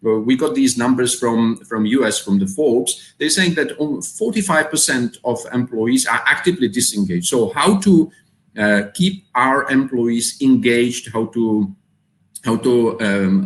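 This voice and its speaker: This webinar host, a man from the Czech Republic with a Czech accent, has a medium-pitched voice and talks a little slowly during a live session. His delivery is hesitant and full of fillers and repeated words, with roomy echo around it.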